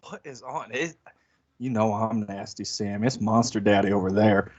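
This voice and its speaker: A man's voice: lowish voice, moderate pace. A man chatting casually as a player on a podcast, recorded on a slightly lo-fi mic. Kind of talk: casual chat.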